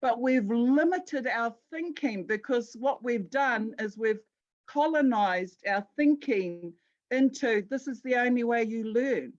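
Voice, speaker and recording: A woman's voice: on the high side, takes it slowly, dull audio. A woman with a New Zealand accent gives an educational talk, speaking conversationally, telling stories and repeating words for emphasis. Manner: conversational, storytelling, emphatic with repetition. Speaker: guest speaker at a Māori health conference.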